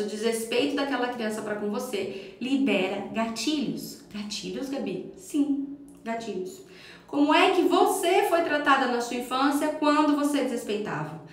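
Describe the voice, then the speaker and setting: A Brazilian woman, a parenting educator, giving an earnest, emphatic live talk straight to her listeners on a phone mic. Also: a little high. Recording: echoey room.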